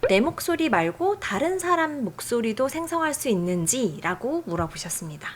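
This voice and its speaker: Lively-voiced woman explaining software. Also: a little high, moderate pace. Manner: friendly, explanatory, chatty. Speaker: tutorial host.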